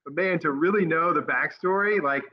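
A man's voice: on the high side, normal speed. A man, a race engineer, chatting casually in an interview in an upbeat, earnest way. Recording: dull lo-fi sound.

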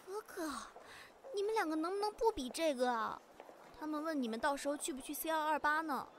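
A woman's voice: sits high, a little fast, noisy background, natural voice. A young woman acting a caring, teasing younger sister in an audio drama. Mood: exasperated. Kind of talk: fan audio drama dialogue.

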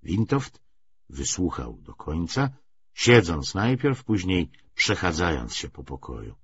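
A man narrating a literary audiobook in a measured, expressive way. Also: low voice, slightly rough, muffled recording.

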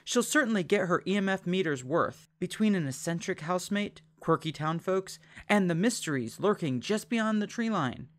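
A man's voice: high-pitched, lively intonation, moderate pace, hardly any pauses, fairly bright tone. A man hosting a podcast, reading scripted promotional narration. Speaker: podcast host.

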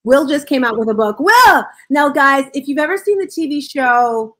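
A woman hosting a casual video call chat, lively and teasing. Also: high-pitched, moderate pace. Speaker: host and life coach. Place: living room at home. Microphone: video call webcam.

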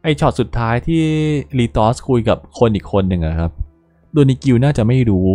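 A man's voice: mid-range voice, fairly quick, dry recording, faint music behind. A man hosting a gaming channel, reading game dialogue aloud and adding casual, slangy commentary to explain the jokes. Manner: lively storytelling, explains jokes in slangy asides.

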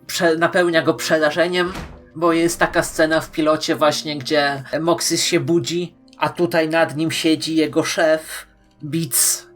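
A woman presents fan commentary straight to her viewers. Her voice sits fairly low for a woman, and she talks playfully with strong emphasis and dramatic pauses. Soft music runs faintly behind her. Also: fairly even intonation. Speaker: YouTube host.

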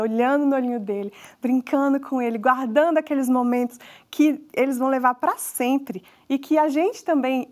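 A woman's voice: high voice, a little mellow. A woman and mother with a Brazilian accent, giving a conversational lecture to parents and talking straight to the audience. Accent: Brazilian Portuguese. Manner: conversational, addresses audience directly. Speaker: parenting talk speaker.

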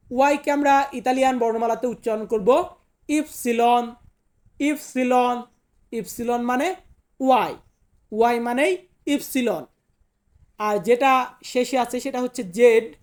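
A man's voice: very high-pitched, darkish tone. A man teaching a language lesson, repeating each word and asking then answering his own questions. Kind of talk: Italian alphabet lesson in Bengali.

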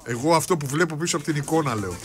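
A man's voice: fairly high pitch, expressive, soft background music. A man co-hosting a radio sports show, telling jokey stories and acting out scenes. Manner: jokey storyteller, acts out scenes. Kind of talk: comic radio banter. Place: radio studio.

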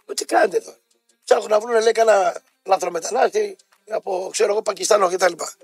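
A man from Greece co-hosts a casual talk show, with blunt, sarcastic remarks and frequent interruptions. His voice sits high. The sound is dry and close to the mic. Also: steady tone, husky, dry recording, faint music behind. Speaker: co-host. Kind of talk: casual radio-style chat.

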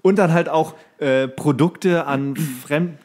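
A man's voice: fairly high pitch, takes it slowly, a little mellow. A man co-hosting a podcast, telling rambling anecdotes in casual, comedic chat and acting out quotes. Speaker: podcast co-host.

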